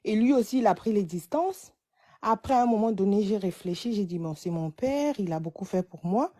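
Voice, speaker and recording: A woman's voice: mid-range voice, expressive, fairly quick, mellow. A woman in her late twenties calling in for advice, telling her story hesitantly with many restarts. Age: late 20s. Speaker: caller. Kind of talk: phone-in advice call.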